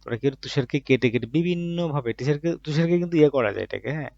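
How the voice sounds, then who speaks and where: A man whose voice is a little high, creaky and darkish speaks quickly with lively intonation as he teaches Japanese vocabulary in Bangla, with no room sound. He says each word, explains it with everyday examples, and often poses and answers his own questions. The recording is dull and muffled, from a dry room.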